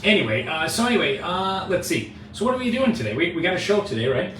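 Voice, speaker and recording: A man's voice: sits high, big pitch swings, quick pace, a bit bright. A man co-hosting a casual chat show, joking and rambling playfully. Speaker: co-host, real estate agent. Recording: echoey room, mic at a distance, faint hiss.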